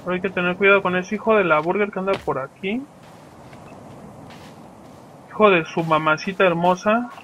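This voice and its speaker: A man's voice: high voice, moderate pace, long pauses, a bit bright, muffled recording, a little hiss or hum. A young man with a Mexican accent giving casual, profane, joking let's play commentary and talking to his viewers as he plays. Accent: Mexican Spanish. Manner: profane, joking, talks to viewers while playing. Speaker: gaming channel host.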